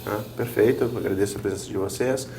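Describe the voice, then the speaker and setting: A man's voice: on the low side, fast talker, gravelly, a little mellow, slight background noise. Guy hosting a local tv talk show, polite and formal, keeps saying yes, right. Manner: polite, formal wrap-up, frequent affirmations. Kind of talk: studio talk show interview. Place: legislative TV studio.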